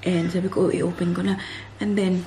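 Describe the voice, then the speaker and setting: A woman's voice: lowish voice, flat delivery, normal speed, background noise. A woman chatting casually to her viewers in a family vlog, calling them "guys" and laughing often. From Philippines. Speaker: family vlogger. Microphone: handheld vlogging camera or phone.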